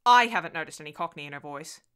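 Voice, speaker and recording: A woman's voice: deep voice, animated, quick pace, fairly bright tone, smooth. A woman voicing a good-humoured young husband in an audiobook, breezy, teasing and reassuring. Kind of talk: audiobook character voice.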